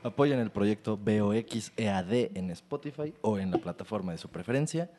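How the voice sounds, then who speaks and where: A young man with a Mexican Spanish accent, hosting a podcast in relaxed casual chat. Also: lowish voice, normal speed. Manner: laid-back, wraps up the show. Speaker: podcast host.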